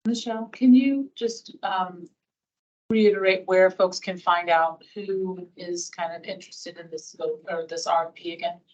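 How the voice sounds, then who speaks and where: A woman's voice: fairly low pitch, steady tone, unhurried. A woman organizer prompting a colleague to repeat information at a public meeting. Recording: distant dull room sound.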